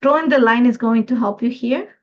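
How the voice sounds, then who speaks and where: A woman's voice: on the high side, a little fast, muffled recording. A middle-aged woman from Ecuador, chatty and thinking aloud as she hosts a live scrapbooking tutorial. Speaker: craft host.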